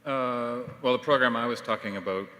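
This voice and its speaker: A man who teaches journalism, speaking on a panel in measured sentences with frequent fillers. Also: medium pitch, pushed and bright. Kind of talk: panel discussion. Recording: reverberant hall, faint noise.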